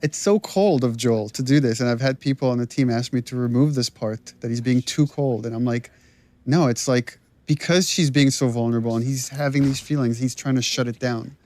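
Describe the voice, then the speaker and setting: A man's voice: mid-range voice, a little fast, darkish tone. Man giving thoughtful developer commentary. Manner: thoughtful, with stammered restarts. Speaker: game writer and director.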